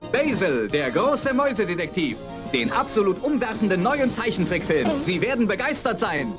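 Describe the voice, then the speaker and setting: A man's voice: sits high, very animated, normal speed, music in the background. A man narrating a 1980s cinema trailer in a theatrical, grandly enthusiastic promotional style. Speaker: film trailer announcer.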